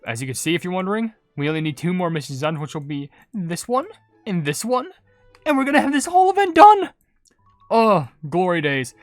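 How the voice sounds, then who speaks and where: A man's voice: high-pitched, sing-song, brisk, dry recording. A man hosting a gaming video, giving casual, informal reaction commentary and reading comments. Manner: chatty, informal. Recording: dry close mic, game music behind. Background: soft game music.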